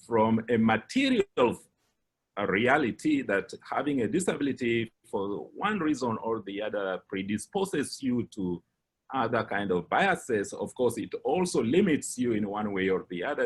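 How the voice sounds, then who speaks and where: A middle-aged man with a Kenyan English accent, giving a personal account as a guest speaker, measured and pausing with frequent fillers. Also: fairly low pitch, breathy edge. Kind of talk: personal account in a lecture talk.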